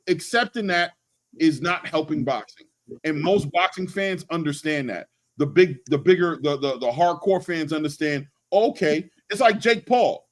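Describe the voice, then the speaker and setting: Higher-voiced man talking boxing, emphatic. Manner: emphatic, repeats words for emphasis, slangy. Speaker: host of a boxing channel. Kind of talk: animated casual sports talk and opinion.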